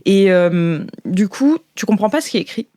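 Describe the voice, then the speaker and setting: A woman runs an improvised role-playing game. She feels her way through the narration with playful, slangy phrasing, in a medium-pitched voice. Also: expressive, normal speed. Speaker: game master.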